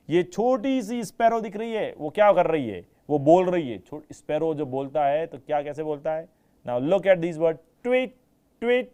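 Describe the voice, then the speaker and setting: A man's voice: a little high, warm tone, smooth. A man with an Indian English accent teaching a live online English class, mixing Hindi and English, asking students questions and imitating sounds for his examples.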